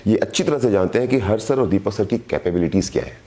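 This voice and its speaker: Hoarse, low-voiced man speaking earnestly. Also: expressive, warm tone. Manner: earnest, deliberate, repeats phrases for emphasis. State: hoarse, sore throat. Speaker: direct selling team leader. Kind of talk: motivational live video address.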